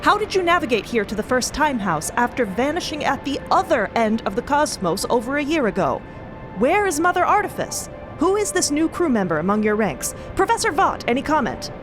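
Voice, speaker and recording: Reporter: actress playing an eager, pushy newswoman, raised pitch, very lively delivery, insistent and declamatory, audio drama. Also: a little fast, over music. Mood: excited, insistent. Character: pushy, excited woman reporter firing questions.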